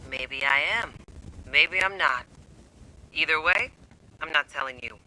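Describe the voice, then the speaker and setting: A defiant, mistrustful man hiding out in a video game. The voice is piercingly bright and somewhat high, with a mocking, sardonic edge. Light noise sits behind it. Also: unhurried, rough recording. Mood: mocking, distrustful. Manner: taunting, sardonic, swearing. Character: defiant, suspicious escaped-prison holdout, sardonic man.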